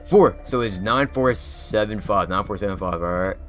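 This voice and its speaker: A young man with a fairly low speaking voice calls out a horror game as he plays, swearing freely and bursting into loud yelps. His casual streamer talk sits over music playing clearly underneath. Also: normal speed. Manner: profane, loud reactions, yelling at the game. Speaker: gaming YouTuber.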